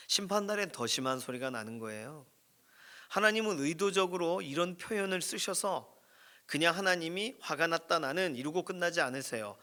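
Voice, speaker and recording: A middle-aged man preaching a sermon as pastor, expressive, rising and dropping his voice to near whisper. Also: on the high side. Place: church prayer room.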